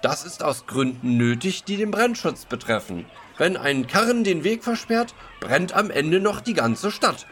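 Blustering, officious town bailiff, wildly swinging pitch. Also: male voice, very animated, unhurried, few pauses, fairly bright tone, a little hiss or hum. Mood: flustered, defensive. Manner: pompous, stammering when challenged. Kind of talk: German radio play dialogue.

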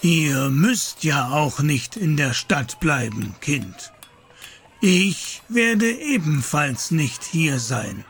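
An actor playing a sly medieval priest in a German audio drama, measured and paternal, patronizing with a quiet menace. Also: male voice, on the high side, very animated, a little hiss or hum, full character voice. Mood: smug, solemn.

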